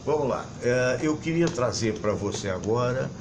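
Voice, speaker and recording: A man hosting a program, telling a story to his viewers in a halting way, repeating words before he finds them and then building up with emphasis. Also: mid-range voice, lively intonation. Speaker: TV program host. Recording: echoey room with background noise.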